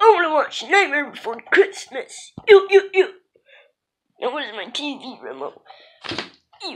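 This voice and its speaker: A cartoonish character voice with a high pitch, a fairly slow pace and long, frequent pauses. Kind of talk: puppet comedy. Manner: disgusted, repetitive.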